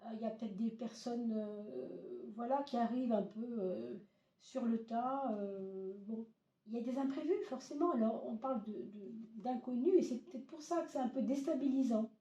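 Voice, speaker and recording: Hoarse woman reading tarot, echoey room. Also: on the high side, moderate pace, far from the mic, highs cut off. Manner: hesitant, many fillers, gentle reassuring address. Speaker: tarot reader. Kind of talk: casual tarot reading to camera. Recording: roomy echo, voice off-mic.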